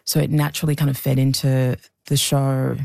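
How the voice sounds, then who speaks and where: A woman's voice: very deep voice, little pitch movement, fairly quick, vocal fry, a little mellow, no echo, clean studio sound. A woman historian answering interview questions thoughtfully, often restarting and repeating words. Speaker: historian and documentary presenter.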